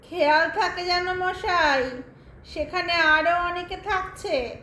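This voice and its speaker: A woman's voice: extremely high pitch, steady tone, takes it slowly, sharp tone, full character voice. A woman playing a coy newlywed wife, playfully scolding and teasing in a theatrical Bengali audio drama. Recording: roomy echo, faint noise behind.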